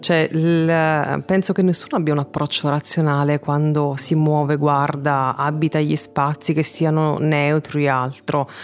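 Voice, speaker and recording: A woman's very deep, low voice, monotone and flat, at very even loudness and a fairly slow pace with hardly any pauses. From Salerno, southern Italy. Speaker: content creator and consultant. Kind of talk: casual interview chat.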